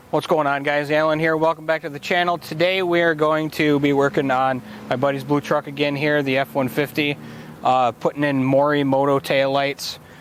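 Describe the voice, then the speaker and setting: Against noticeable background noise, a man speaks in a fairly high pitch with monotone, flat intonation. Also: moderate pace. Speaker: auto vlogger. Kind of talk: tutorial. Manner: casual.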